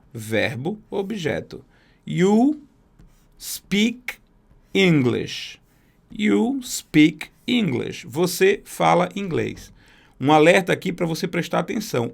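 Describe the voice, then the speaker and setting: A man teaching a beginner English class, patiently explaining grammar and slowly modelling words. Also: on the high side, gravelly.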